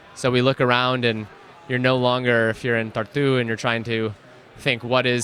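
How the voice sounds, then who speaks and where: In an unremarkable speaking voice, a man with an American accent talks at a moderate pace. His medium pitch follows a fairly even intonation. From United States. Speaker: mindfulness and productivity coach. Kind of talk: interview conversation.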